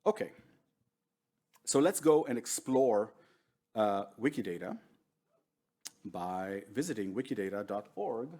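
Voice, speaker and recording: A man's voice: on the low side, lively intonation, unhurried, long pauses, warm tone. A middle-aged man whose first language is Hebrew, giving a conversational lecture at a conference and often asking the audience "right?". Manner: conversational, keeps checking in with "right?". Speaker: workshop presenter. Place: large conference room with seated audience.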